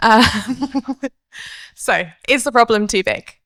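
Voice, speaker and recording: A woman speaks at a fairly slow pace in a bright, sharp tone with fairly even intonation. The sound is dry and close with no echo, on a very clean recording with a silent background. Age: 20s. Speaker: museum heritage worker. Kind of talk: conference presentation.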